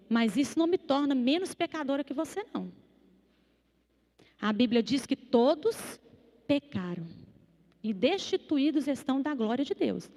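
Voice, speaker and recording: Brief: high-pitched female preacher, lively sermon with acted-out voices, long church reverb. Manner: animated, acts out quoted voices. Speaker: psychologist preaching. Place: church hall.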